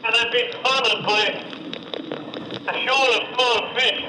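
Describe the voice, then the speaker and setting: A man speaks over an underwater diver radio from inside his mask, his voice pitched very high. The link sounds distant, echoey and full of hiss. He gives measured radio call-outs and describes what he sees with awe. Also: steady tone. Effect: underwater diver radio through a full-face mask. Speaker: scuba diver reporting from a wreck. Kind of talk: radio check-ins from underwater. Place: underwater at a shipwreck, 29 metres down.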